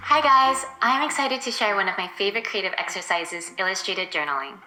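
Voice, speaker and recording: A woman's voice: medium pitch, a little fast, pushed and bright, roomy sound, faint music behind, rough recording. A woman teacher introducing an online class in an upbeat, polished way.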